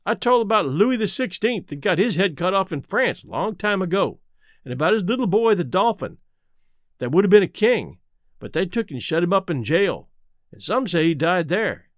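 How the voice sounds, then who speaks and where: A folksy boy from the played by a man tells his story in plain colloquial words. The voice is fairly high, animated in pitch and recorded very dry, in audiobook style. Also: normal speed, no echo. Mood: matter-of-fact. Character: Huck, a folksy, matter-of-fact adolescent Southern boy narrator. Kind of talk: first-person audiobook narration.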